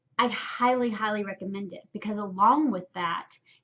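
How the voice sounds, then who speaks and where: With a slight Southern US accent, a woman speaks in a medium pitch with an animated tone. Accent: slight Southern twang. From US South. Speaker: wealth coach. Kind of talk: tutorial.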